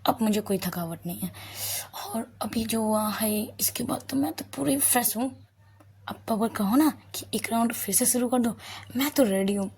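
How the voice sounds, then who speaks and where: A woman voicing a tender, devoted young woman in love, speaking in a soft, hushed murmur. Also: on the high side, moderate pace, slight background noise, lightly acted. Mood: gentle.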